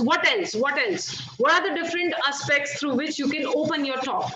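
Over noticeable background noise, a woman uses a raised, projected voice with a high pitch at a moderate pace. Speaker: public speaking trainer, emcee and voice-over artist. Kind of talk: workshop teaching to an audience. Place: home room. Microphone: video call.

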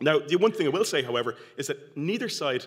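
A man with an Irish accent at a very fast pace, his intonation lively over a quiet background. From Ireland. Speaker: historian. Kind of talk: lecture. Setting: stage with audience. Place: hall.

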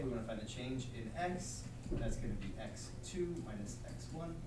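Against loud background noise and audible room echo, a man talks at a fairly slow pace with ordinary pitch variation. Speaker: math teacher. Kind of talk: lecture. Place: classroom.

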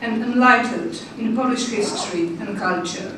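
Over noticeable background noise and audible room echo, a woman talks at a high pitch with ordinary pitch variation. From Poland. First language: Polish. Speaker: ambassador. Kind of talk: formal speech. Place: hall.

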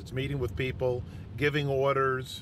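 Dry with no echo, the recording carries light background noise. A man speaks at a moderate pace in a somewhat breathy voice. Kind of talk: documentary interview answer.

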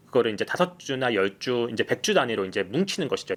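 Speaking very rapidly, a man lets his pitch leap up and down across a very wide range. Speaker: financial news reporter. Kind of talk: explainer video on finance. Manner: informative, measured with fillers.

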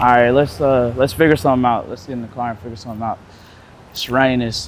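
This speaker has an American accent, talks at a very fast pace, and shows big swings in loudness. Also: man. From Texas (Abilene). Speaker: prank YouTuber. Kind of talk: street prank chat.

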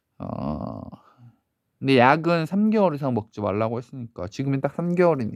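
A man speaks fairly slowly in a tired tone, his fairly high pitch making very wide swings. The sound is dry and close, with no echo. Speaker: vlogger. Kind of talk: casual solo vlog chat. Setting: alone at home. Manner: rambling, filler-heavy; tired, scattered from lack of sleep.

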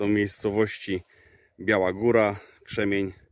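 Light background noise sits behind a man with a fairly low pitch. He speaks at a very slow pace in a dry sound with no echo. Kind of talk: casual vlog chat. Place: open country.

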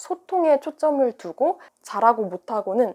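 Over a quiet background, a woman speaks in an animated tone at a moderate pace, her pitch swinging very widely. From South Korea. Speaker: Korean language teacher. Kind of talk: tutorial. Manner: friendly, animated. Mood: friendly, encouraging. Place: home room. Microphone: lapel.

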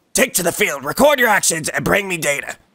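A man's put-on character voice, raspy, raised and projected, high-pitched, with very wide pitch swings and a very fast pace. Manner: strained, commanding character voice.

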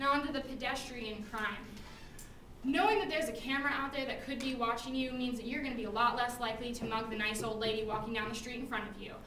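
A woman talks at a very fast pace in a high pitch, with fairly even intonation. Audible room echo and light background noise are present. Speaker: debater. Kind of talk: competitive debate speech. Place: classroom. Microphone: camera far.

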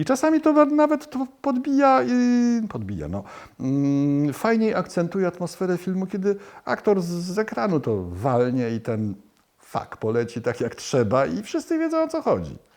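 At a moderate pace, a man speaks in a high pitch that swings very widely up and down. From Warsaw, Poland. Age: 60s. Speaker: film voice-over narrator. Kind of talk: oral history interview answer. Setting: at home.

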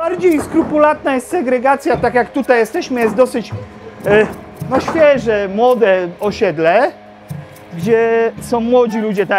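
With music in the background, a man with an extremely high pitch talks at a fairly slow pace and uses lively intonation. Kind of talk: interview answer. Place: street. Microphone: lapel.

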